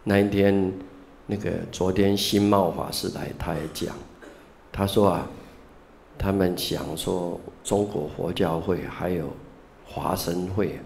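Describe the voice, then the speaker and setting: A man's voice: low-pitched, fairly even intonation, vocal fry, darkish tone, a little hiss or hum. A man, a Buddhist monk giving a classroom lecture, telling stories and stretching out filler particles. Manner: storytelling, drawn-out filler particles.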